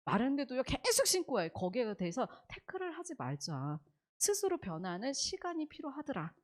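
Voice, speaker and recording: A woman's voice: high voice, sing-song, fairly quick. A woman speaking at a business seminar, lecturing with rhetorical questions and acted-out bits of quoted dialogue.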